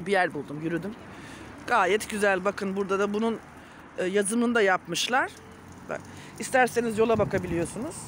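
A high-pitched man at a moderate pace with ordinary pitch variation, dry sound with no echo, and noticeable background noise. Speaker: vlogger. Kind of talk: casual vlog chat. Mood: happy, amused. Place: waterside. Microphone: phone near.

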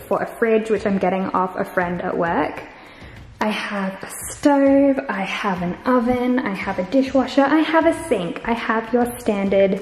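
Over light background noise and audible room echo, a woman speaks at a fairly slow pace with lively intonation. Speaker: new homeowner vlogger. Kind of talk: casual vlog chat. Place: empty room. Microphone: phone near.

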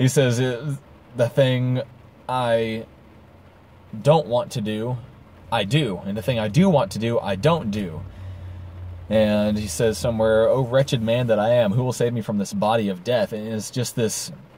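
A man speaks at a moderate pace in a dark, mellow, somewhat breathy tone with ordinary pitch variation. The sound is dry with no echo, and long, frequent pauses break up his speech. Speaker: vlogger. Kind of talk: casual vlog chat. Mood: earnest, reflective. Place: car. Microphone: phone near.

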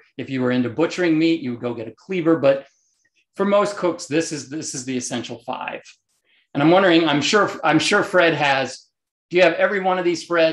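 With audible room echo and a quiet background, a man talks at a fairly quick pace with ordinary pitch variation. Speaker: cooking instructor. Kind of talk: online class lecture.

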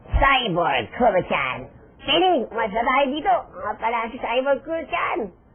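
In a cartoonish character voice, a man talks at a fairly slow pace with an extremely high pitch.

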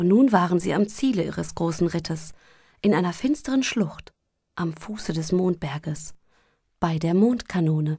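At a moderate pace and with lively intonation, the voice comes in a gentle, soothing tone, somewhat breathy, with long, frequent pauses. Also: woman, fairly low pitch for a woman. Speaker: audiobook narrator. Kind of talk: reading aloud, fairy-tale audiobook narration. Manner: gentle, soothing bedtime-story pace; expressive, storyteller's lilt.

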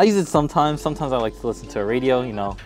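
Faint music plays in the background of a dry recording with no echo. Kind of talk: casual vlog tour. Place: car. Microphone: phone near.

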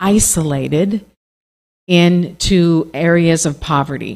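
Against a quiet background, a woman speaks in a plain, everyday voice, fairly low-pitched, with ordinary pitch variation. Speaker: nonprofit director; guest. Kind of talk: presentation. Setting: church. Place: church. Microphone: podium.

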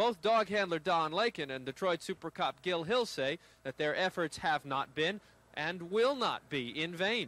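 At a moderate pace, a man talks in a high pitch with a bright, sharp tone and lively intonation, the sound dry with no echo. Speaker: TV news reporter. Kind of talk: 1980 TV news report, scripted narration with on-scene interview questions. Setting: TV news report on location. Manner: formal, measured, brisk broadcast delivery. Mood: serious, measured. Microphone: handheld.

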